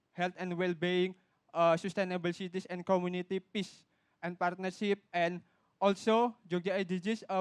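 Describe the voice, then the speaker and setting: Halting Indonesian-accented man giving a talk. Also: sits high, clean tone, dry recording. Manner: halting, many fillers and restarts. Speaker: speaker at a youth talk event. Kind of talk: public talk. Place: event stage.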